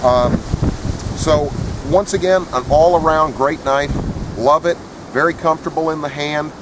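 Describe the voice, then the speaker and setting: A man's voice: on the high side, steady tone, unhurried. A man giving a casual, unscripted product review in a plainspoken, opinionated way, recorded outdoors. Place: outdoors in wind. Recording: windy outdoor recording with clear noise.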